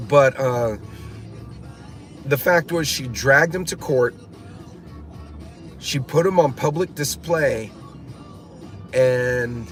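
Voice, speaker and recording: A man hosting a prepper vlog in a car, talking bluntly and casually, with lots of fillers, restarts and swearing. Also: mid-range voice. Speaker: prepper channel host. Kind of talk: casual rambling vlog commentary. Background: classic rock music playing.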